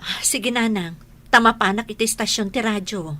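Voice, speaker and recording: A patient, loving mother, voiced by a woman, with a medium-pitched, plain voice. She speaks tenderly and calmly. This is a radio drama. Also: normal speed.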